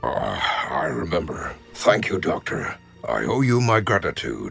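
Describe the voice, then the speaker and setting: A man does a put-on character voice while faint music plays in the background. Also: moderate pace. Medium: fan dub. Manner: calm, measured.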